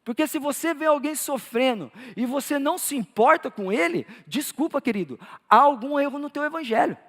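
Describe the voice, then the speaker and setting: A man preaching a sermon as pastor, building to emphatic calls, then dropping into soft, low storytelling. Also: lively intonation, fairly quick. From Brazil. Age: adult with a child. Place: church auditorium. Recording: live church sound with long hall reverb.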